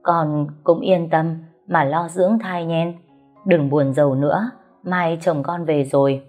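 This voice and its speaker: Woman voicing a weary older man, lowered voice, heavy sighing, firm, faint music. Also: fairly even intonation, measured pace, phone-quality sound. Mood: weary stern.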